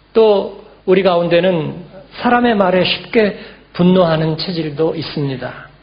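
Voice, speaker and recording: Very slowly, a man speaks at a high pitch. There is noticeable background noise. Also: ordinary pitch variation. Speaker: pastor. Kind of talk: sermon. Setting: church.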